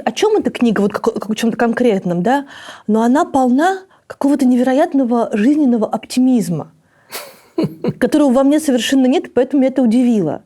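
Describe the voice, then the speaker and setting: Warm-voiced woman host asking questions. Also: sits high. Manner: direct, curious questions. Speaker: interview host. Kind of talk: conversational interview.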